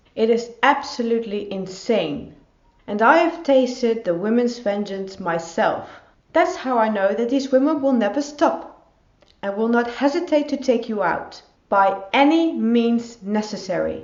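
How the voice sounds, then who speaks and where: Her pitch fairly high, a woman speaks with a Dutch accent. She talks at a fairly slow pace with lively intonation. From Netherlands. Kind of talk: opinion commentary to camera. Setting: home recording, poor sound.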